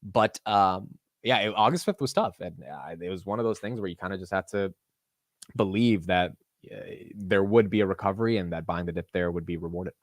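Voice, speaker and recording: A young man with a deep voice hosting a live market stream in casual, animated chat. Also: a little fast, no echo, clean studio sound. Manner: animated, says "dude" and "like" a lot.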